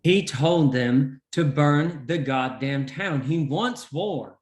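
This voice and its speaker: A man's voice: on the high side, slow pace, echoey room. A man acting a beaten, jailed man who pleads insistently, in a table read of a period Western drama. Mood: earnest.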